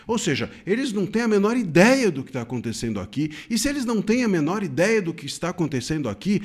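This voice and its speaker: Emphatic Brazilian man with a lively voice. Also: on the high side. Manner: earnest, emphatic, with frequent self-corrections and restarts. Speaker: legal commentator. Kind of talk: solo commentary to camera.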